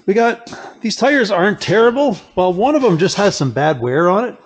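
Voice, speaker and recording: A middle-aged man hosting a casual behind-the-scenes vlog, rambling in a relaxed way and often trailing off to restart, recorded on a lapel mic. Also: high voice, normal speed. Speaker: car builder and channel host.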